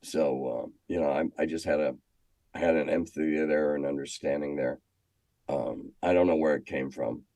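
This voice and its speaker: An older American man reminiscing in a casual, halting, anecdotal way, often repeating himself as he goes. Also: very deep voice, fairly even intonation, warm tone, dry recording. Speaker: guest, former schoolteacher. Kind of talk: casual storytelling interview.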